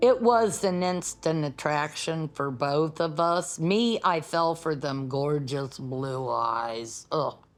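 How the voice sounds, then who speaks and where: The speech moves at a very slow pace with lively intonation and hardly any pauses. Music plays in the background. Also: woman, very deep, low pitch for a woman. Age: 60s. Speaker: killer's ex-wife. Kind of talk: documentary interview.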